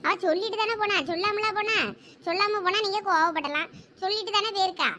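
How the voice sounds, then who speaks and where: A woman's voice: very high-pitched, fast, bright, forceful tone. A woman with a Thoothukudi Tamil accent playing a caring village housewife who coaxes and reassures in a talkative way. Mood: reassuring. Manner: coaxing, talkative. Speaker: village wife. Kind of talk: village drama acting.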